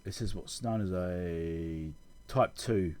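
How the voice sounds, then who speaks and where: A man giving an informal technical explanation as a channel host, halting and correcting himself as he thinks aloud. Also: low voice, darkish tone, a little hiss or hum. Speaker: electronics repair channel host.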